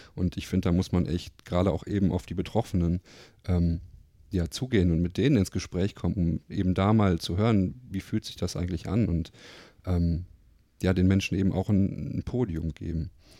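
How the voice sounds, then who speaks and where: A man with a very deep, low pitch and a dark, mellow tone speaks at a moderate pace. His pitch varies in an ordinary way, on a very clean recording with a silent background. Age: 30s. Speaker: social worker. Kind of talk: podcast panel discussion.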